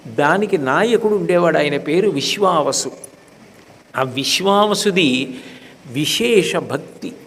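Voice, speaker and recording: A man's voice: on the high side, in a large hall, slight background noise. A man giving a devotional discourse who tells stories with quoted dialogue and chants Sanskrit verses. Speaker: spiritual discourse speaker.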